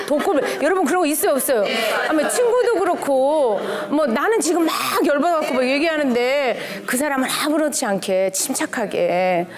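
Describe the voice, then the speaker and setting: A middle-aged woman teaching relationship skills in a lively seminar talk, animated and often laughing as she mimics quotes. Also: medium pitch, a little hiss or hum.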